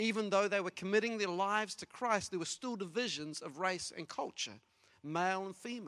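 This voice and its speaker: With a New Zealand accent, a raised, projected voice in a bright, sharp tone comes at a moderate pace, recorded very cleanly with a silent background and a dry, close sound with no echo. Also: man. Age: 40s. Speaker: pastor. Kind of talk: sermon. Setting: church. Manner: animated.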